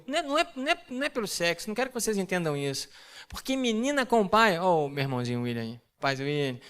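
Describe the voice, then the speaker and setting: A man giving a sermon testimony to a church audience, telling a family story in an animated way and acting out the dialogue. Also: high-pitched.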